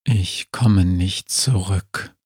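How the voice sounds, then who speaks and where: Man doing a slow, low zombie. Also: darkish tone, breathy edge, no echo, studio quality, exaggerated voice. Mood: fearful. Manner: slow, low murmur, sometimes whispered.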